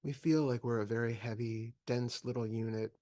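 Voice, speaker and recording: A man leading a guided meditation as a teacher, speaking calmly and in measured phrases with long pauses. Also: mid-range voice, no room sound, studio quality.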